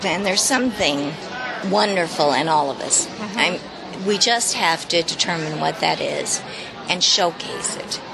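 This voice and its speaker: A woman with an American accent speaks fairly slowly in a fairly low voice with lively intonation, with audible room echo and noticeable background noise. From US South. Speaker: genealogy blogger. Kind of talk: interview. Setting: genealogy conference.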